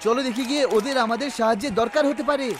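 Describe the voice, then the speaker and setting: Excitable cartoon sleuth: extremely high, emphatic, hurried, music behind. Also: male voice, over a noisy crowd. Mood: excited. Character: eager, excitable cartoon detective hero. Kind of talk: cartoon dub acting.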